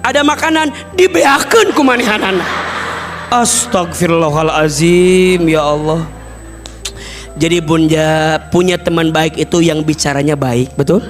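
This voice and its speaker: A man with a Sundanese accent giving a lively sermon, acting out everyday conversations and breaking into loud, emphatic lines. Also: on the high side, unhurried, soft background music. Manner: animated, acts out everyday dialogues, bursts into loud emphatic lines. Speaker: preacher. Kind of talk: lively sermon to a mostly female audience.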